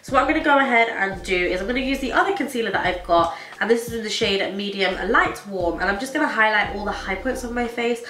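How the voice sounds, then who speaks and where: A young woman talks through her makeup routine with a blocked, stuffy nose, chatty and gushing. Her voice is bright and a little sharp. It sounds roomy, picked up from a short way off the mic. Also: medium pitch, fast, hardly any pauses, recorded from a distance. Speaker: beauty vlogger. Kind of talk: casual makeup tutorial chat. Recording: echoey room, a bit off mic.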